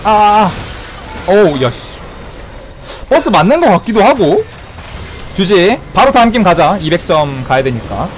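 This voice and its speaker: A man streaming a video game with live commentary, excitable and trash-talking playfully, shouting sound effects between slow remarks. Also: sits high, slight background noise. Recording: game music playing behind.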